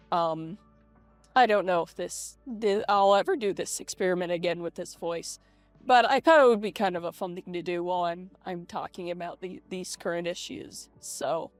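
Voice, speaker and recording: A young adult woman talking casually and confessionally in a vlog through a voice changer, in a hesitant, halting way with repeated words. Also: medium pitch, no echo. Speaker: vlogger. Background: soft lo-fi video game music.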